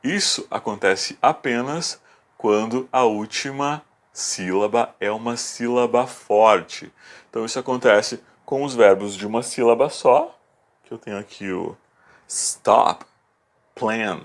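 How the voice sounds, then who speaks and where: A man teaching a video lesson, explaining rules patiently and step by step, repeating key words slowly. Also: mid-range voice. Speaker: English teacher.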